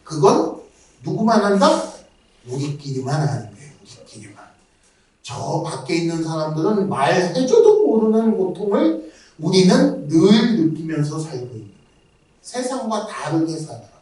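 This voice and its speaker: A man's voice: on the high side, moderate pace, far from the mic. A man preaching a revival sermon as a guest pastor, acting out mocking voices of others. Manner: animated, acts out mocking voices. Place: church sanctuary. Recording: very echoey church from afar.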